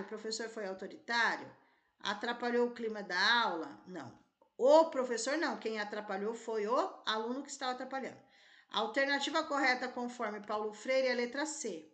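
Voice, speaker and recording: A woman's voice: fairly high pitch, fairly bright tone. A woman teacher with a Brazilian accent, reading exam questions aloud and thinking through the answers, often checking in with her class. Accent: Brazilian Portuguese. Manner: thinks aloud, rechecks answers, tags lines with "né?" and "tá?". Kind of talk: exam-prep lesson, reading and solving test questions.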